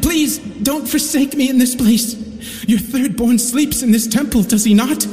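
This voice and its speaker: A high, strained cultist man on the edge of madness, as a male narrator plays him, begging and shrieking in turn. The voice rings in a long, echoing hall with music behind it. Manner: pleading, shrill, breaking into shouts. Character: desperate frantic cultist man, pleading and unhinged.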